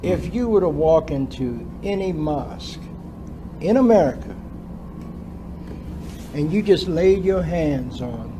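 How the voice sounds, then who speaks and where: Man, measured argument, rhetorical questions, noisy street recording. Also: fairly high pitch, expressive. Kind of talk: argumentative speech.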